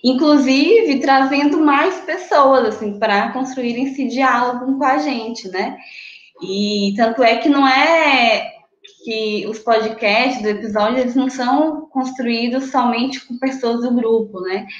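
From a small room at home, a young Brazilian graduate researcher joins a university panel by video call, speaking casually and thoughtfully with many fillers and restarts. Her voice is a little high and slow. The laptop webcam audio is echoey, dull and lo-fi.

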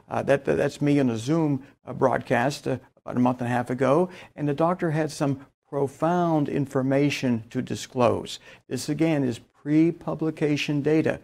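A man delivers a keynote lecture with an eager, explanatory manner. His voice sits a little high and has a gravelly edge throughout. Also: darkish tone. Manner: enthusiastic, explanatory presenter. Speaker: keynote speaker. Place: indoors, in front of a slide backdrop.

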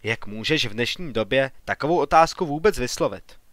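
An ambitious young engineer pleads his case with earnest heat, as a man reading the story puts him on. The voice sits at an ordinary middle pitch. It is recorded dry and close. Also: lively intonation, a bit bright, dry recording, close to an everyday voice. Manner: earnest, argumentative.

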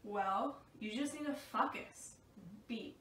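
An actress reading a daughter's part and stage directions from a script, off camera. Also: female voice, fairly high pitch, slow, a bit bright. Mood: matter-of-fact. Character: young-adult daughter introducing boyfriend, plus stage directions. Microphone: off camera, away from mic. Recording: echoey room, distant mic, faint noise.

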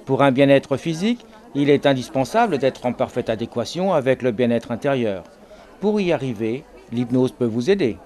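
A man narrating and interviewing for a local TV news report, in a measured, scripted way. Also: mid-range voice, expressive, darkish tone.

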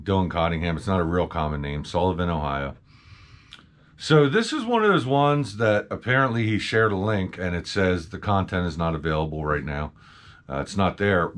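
A middle-aged man hosting a trucking channel, talking casually to camera from a small home office, rambling with many fillers and restarts. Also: deep voice.

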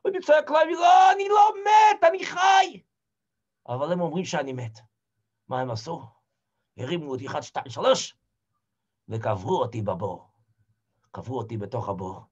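A man's voice: medium pitch, very animated, long pauses, husky. A man playing a desperate old Hasid. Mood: dramatic. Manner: swings from hushed murmurs to shouted cries. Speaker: storyteller actor. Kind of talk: dramatic first-person theatrical storytelling. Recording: dull lo-fi recording.

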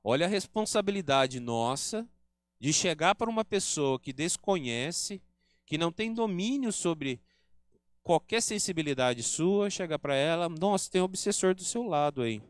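An earnest man with a Brazilian Portuguese accent lectures at a spiritist center. His voice sits fairly high and swings widely in pitch as he teaches. The sound is close and dry, with little room in it. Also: no echo. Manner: earnest, teaching, acts out quoted remarks. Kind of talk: religious lecture.

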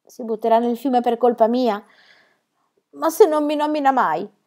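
A woman's voice: on the high side, moderate pace, mellow, pitched above the performer's own voice, close to an everyday voice. Ronja, a fierce little girl, read by a woman. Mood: upset.

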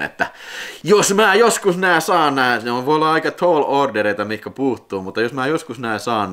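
Excitable Finnish man unboxing videotapes. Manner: chatty, excitable, bursts into high whoops and shouts. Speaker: video collector vlogger. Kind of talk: unboxing vlog, casual chat.

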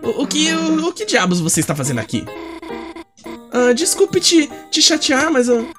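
Man putting on a shy teen girl from a game, high voice, apologetic, stammers. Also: sing-song, moderate pace, fairly bright tone, soft background music, exaggerated voice. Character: shy polite teenage girl classmate. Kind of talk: video game dialogue read aloud.

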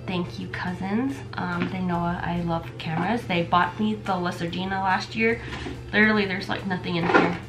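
A young woman in her twenties, a vlogger, chats casually to the camera in a small indoor bedroom with camera shelves, unboxing and showing off her gifts. She's sick with a stuffy nose and losing her voice, using lots of fillers. Her voice is lowish and steady at a moderate pace, heard over loud music in a rough recording.

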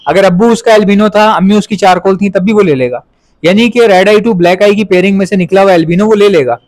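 A man's voice: sits high, fast talker, a little mellow, no echo. A man from Pakistan with a Pakistani Urdu accent, a pet breeder chatting casually in his vlog and repeating points for emphasis.

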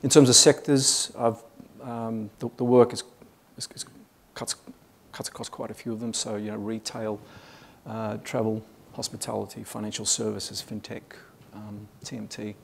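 A man's voice: on the low side, flat delivery, moderate pace, vocal fry, slight background noise. A man in his forties with an Australian accent, giving a business talk at a conference with many fillers and restarts. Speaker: conference speaker. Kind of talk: business presentation. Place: conference hall stage.

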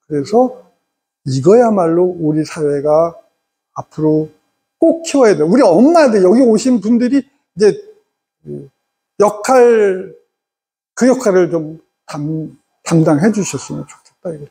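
A middle-aged man lecturing parents in an animated way and having the audience repeat phrases after him. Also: high voice, unhurried, breathy edge.

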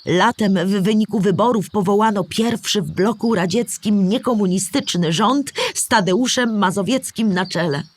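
A woman's voice: mid-range voice, moderate pace, few pauses, no room sound, natural voice. A woman playing a storyteller who explains history to a child in a scripted children's audio play. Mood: explanatory.

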